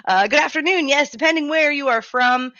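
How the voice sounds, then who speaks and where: A woman in her thirties hosting a radio show in casual chat, her voice raspy and gruff from a cold, chatty and laughing often. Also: sits high, sharp tone, no echo, dull audio. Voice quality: raspy, grumbly. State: has a cold, gruff throat. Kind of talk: casual live-stream chat.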